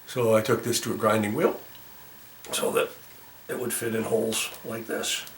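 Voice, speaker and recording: Low-voiced man in a roomy, distant recording. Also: level tone. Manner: careful, halting, talking while working. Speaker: volunteer repairer demonstrating a fix. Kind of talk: casual hands-on repair walkthrough, thinking aloud. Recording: roomy, distant mic, faint noise.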